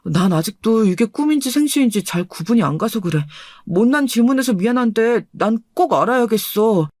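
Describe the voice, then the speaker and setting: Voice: mid-range voice, expressive, normal speed, darkish tone, no room sound, studio quality, lightly acted. A performer voicing an earnest, deferential husband in his thirties in a dramatized radio story.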